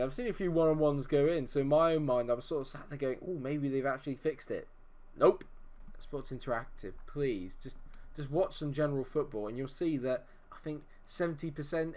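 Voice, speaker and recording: A man's voice: a little high, a little mellow. A man with a slight cold, nasal as he casually commentates on a football management game, exasperated and talking at his players. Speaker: gaming video host.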